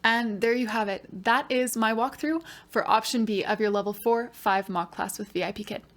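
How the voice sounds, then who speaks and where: A woman who teaches English online guides viewers through a practice class. Her voice sits a little high. She explains each step clearly and gives encouraging praise. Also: moderate pace, a bit bright. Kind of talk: tutorial walkthrough.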